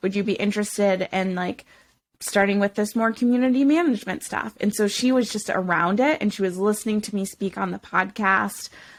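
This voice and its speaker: A woman talks at a fairly quick pace in a plain, everyday voice. Her pitch is medium with ordinary variation, in a very clean recording with a silent background. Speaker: podcast guest, wellness business founder. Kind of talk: casual interview chat.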